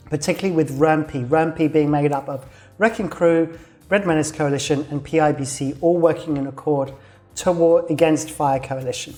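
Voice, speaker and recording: This host has a mid-range, darkish voice that's a little worn and starting to give out. Doodling on a map, they deliver a casual weekly rundown of game-world news, wandering along with plenty of fillers and corrections and laughing at their own drawings. Faint music sits in the background.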